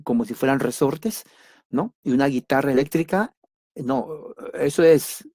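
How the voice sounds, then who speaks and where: A man teaching a church doctrine class, speaking deliberately in simple words and repeating key words for emphasis. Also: mid-range voice, dark tone, no room sound, clean studio sound. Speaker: Bible study teacher.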